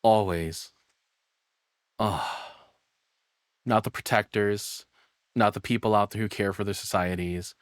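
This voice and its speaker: A man's voice: on the low side, steady tone, measured pace, long pauses, clean tone, no echo, studio quality. An American man rambling casually on a livestream, often interrupting himself and swearing mildly. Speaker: streamer reacting to a video; voice actor.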